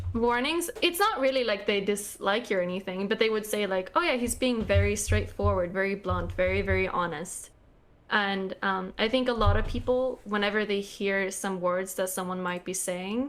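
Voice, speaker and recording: Speaking with a Swedish accent, a woman keeps a medium pitch, ordinary pitch variation and a moderate pace. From Sweden. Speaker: guest. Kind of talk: casual chat.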